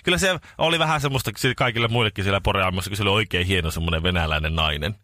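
A male radio morning show host telling a rambling, animated anecdote in casual chat, with many restarts. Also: low-pitched, no room sound, studio quality.

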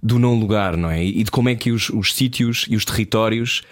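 A man's voice: fairly low pitch, fairly quick, no room sound, studio quality. A man with a European Portuguese accent hosting an interview, asking probing questions in an encouraging way. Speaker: interview host. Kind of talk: casual interview chat.

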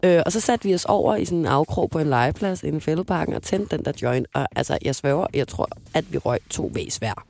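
A young woman co-hosting a radio show, telling an embarrassing story in an animated, laughing way. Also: sits low, gravelly, hardly any pauses. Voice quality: lively, animated, laughs a lot. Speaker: radio co-host. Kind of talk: casual storytelling chat.

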